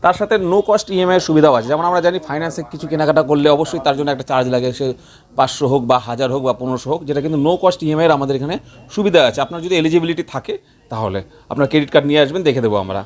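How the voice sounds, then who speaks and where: A man with a West Bengal Bengali accent giving an emphatic, repetitive promotional sales pitch as a showroom promoter. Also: rapid-fire. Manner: emphatic, repetitive listing of offers.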